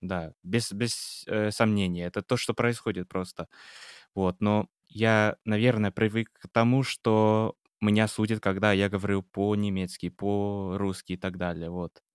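Hesitant Englishman, smooth low voice. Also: little pitch movement, no echo, studio quality. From England. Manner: hesitant, many pauses and restarts. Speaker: podcast co-host, Russian teacher. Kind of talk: casual chat.

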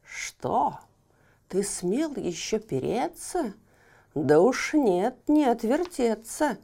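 A woman voicing an angry, bearded old tsar in a storybook tale, speaking loud, gruff and slow. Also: a little high, sing-song, exaggerated voice. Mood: angry blustering.

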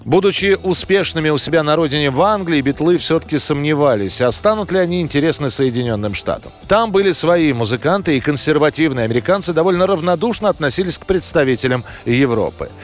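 A man's voice: a little high, animated, quick pace, hardly any pauses. A man presenting a history programme, reading scripted documentary narration. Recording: music under the voice. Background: background music.

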